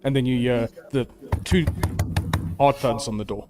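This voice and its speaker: A man running a tabletop game as game master, narrating scenes in a descriptive, halting way with fillers. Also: mid-range voice, fairly even intonation, over music.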